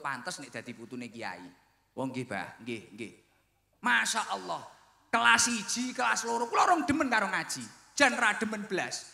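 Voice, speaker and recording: A man speaks at a moderate pace in an animated tone with very wide pitch swings, against a quiet background with audible room echo. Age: 20s. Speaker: Islamic preacher. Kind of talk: sermon. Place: stage. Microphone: handheld.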